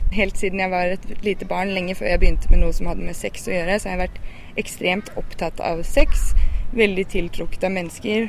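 Woman's medium-pitched voice at a fairly quick pace with hardly any pauses and fairly even intonation, over noticeable background noise. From Oslo, Norway. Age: 20s. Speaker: interviewee. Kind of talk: personal testimony.

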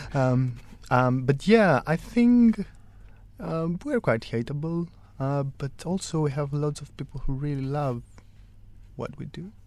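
Quiet and fairly high-pitched, a man with a Greek accent speaks at a fairly slow pace with long, frequent pauses and big swings in loudness. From Greece, small mountain town. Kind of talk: casual chat. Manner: very quiet.

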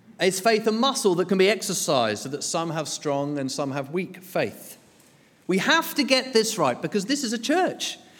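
A man with a high voice speaks at a moderate pace, his pitch swinging very widely, with audible echo from the room. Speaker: preacher. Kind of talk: sermon. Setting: church.

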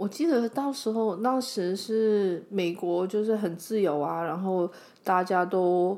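In a Hong Kong accent, this voice speaks at a very slow pace with a dark, mellow tone and ordinary pitch variation. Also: woman, medium pitch for a woman. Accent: Hong Kong accent in Mandarin. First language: Cantonese (speaking Chinese). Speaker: podcast co-host. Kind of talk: casual chat.

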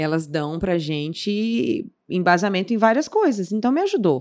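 Recorded very cleanly against a silent background, a woman speaks at a moderate pace with ordinary pitch variation. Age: 40s. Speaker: voice-over artist and actress. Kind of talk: casual interview chat. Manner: animated.

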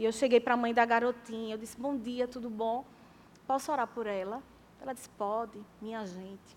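A normal speaking voice from a woman, fairly high in pitch, fairly quick, fairly even in intonation, with big swings in loudness. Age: 30s. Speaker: preacher. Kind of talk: sermon.

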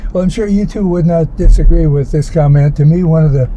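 Through noticeable background noise, a man with an American accent talks at a fairly high pitch with ordinary pitch variation. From US Midwest, Illinois. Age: 80s. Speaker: retired farm equipment dealer and executive. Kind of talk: casual interview chat, recollections. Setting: in a car.

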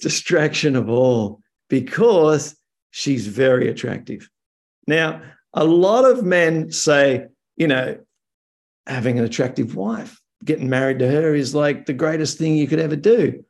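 In an Australian accent, a man speaks at a fairly slow pace. His intonation is lively. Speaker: entrepreneur and amateur comedian. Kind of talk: stand-up.

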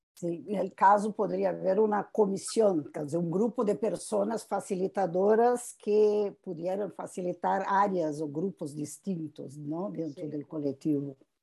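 Speaking fairly slowly with hardly any pauses, a woman with a Portuguese accent has a dark, mellow tone at medium pitch and ordinary pitch variation. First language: Portuguese (speaking Spanish). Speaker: workshop participant. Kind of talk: question from audience.

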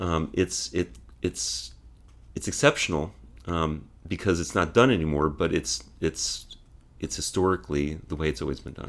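The speaker talks at a moderate pace with lively intonation and vocal fry. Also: man, very deep, low pitch for a man. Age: 60s. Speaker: nutrition educator and clinician. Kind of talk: interview. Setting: in-person recording. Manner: halting, many fillers and repetitions.

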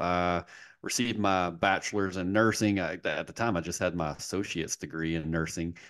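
The background is quiet. A man speaks at a moderate pace. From US South Carolina. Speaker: legal nurse consultant and coach. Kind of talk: casual interview chat.

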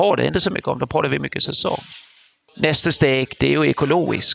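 A man at a very fast pace, the sound dry and close with no echo. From outside Sweden. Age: 50s. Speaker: chef and restaurant owner. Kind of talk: interview. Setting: restaurant.

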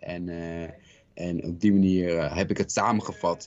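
This voice belongs to a man. It sits very deep and low in pitch. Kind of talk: spoken word performance, rhythmic poetic delivery. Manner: rhythmic, flowing cadence, expressive with street-language rhymes.

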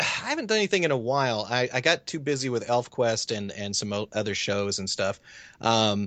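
Moderate in pace, this ordinary speaking voice has an American accent and ordinary pitch variation. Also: man. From Texas. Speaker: voice actor and comic colourist. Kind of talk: casual interview.

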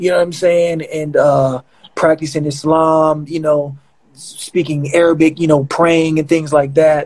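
With an American accent, a man talks in a fairly high pitch and a flat, monotone delivery. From San Francisco Bay Area, California. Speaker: rapper. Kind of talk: casual chat. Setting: video call.

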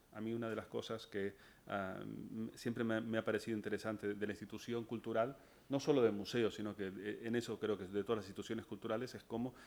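Medium in pitch and at a fairly quick pace, a man speaks in an ordinary speaking voice. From Argentina, Buenos Aires, raised in Spain (Barcelona). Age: 50s. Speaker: museum director. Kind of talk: lecture.

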